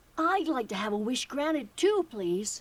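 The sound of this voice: A female-sounding, cartoonish character voice at a fairly high pitch. It moves at a moderate pace with very wide pitch swings.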